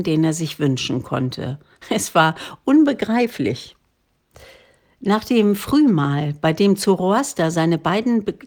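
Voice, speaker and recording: A woman reading a book aloud in installments, with calm, measured narration. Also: on the low side. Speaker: reader.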